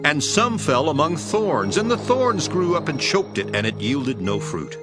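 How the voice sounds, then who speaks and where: A man playing a solemn, authoritative male teacher of parables, declaiming deliberately in a dramatized scripture reading. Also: on the high side, big pitch swings. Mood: proclaiming. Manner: declamatory, deliberate preaching delivery. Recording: prominent music behind the voice. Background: music.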